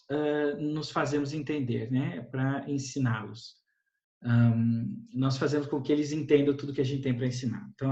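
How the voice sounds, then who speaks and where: A man's voice: a little high, dull audio. Man lecturing in an echoey room. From Brazil. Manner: explanatory, frequent tag questions and fillers. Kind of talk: university lecture.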